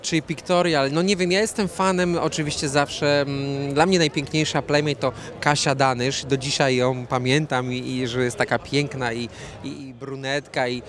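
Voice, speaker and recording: A man in his thirties answering questions at an outdoor evening gala into a handheld mic, relaxed and rambling with many fillers. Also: medium pitch, moderate pace. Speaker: interview guest, fashion designer. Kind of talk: red-carpet interview. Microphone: handheld reporter mic.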